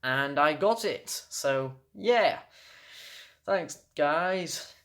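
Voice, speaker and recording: A young man with a British accent giving a casual, unscripted video review of a collectible, halting and often stumbling over his words before correcting himself. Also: on the high side, expressive, fairly bright tone.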